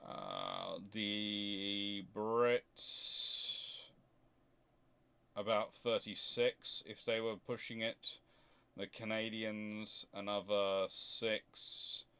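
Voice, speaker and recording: A man's voice: lowish voice, animated, extremely slow, gravelly, bright, forceful tone, clear, resonant tone. A man hosts an informal question-and-answer talk, giving opinionated answers and repeating points for emphasis. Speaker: host answering audience questions.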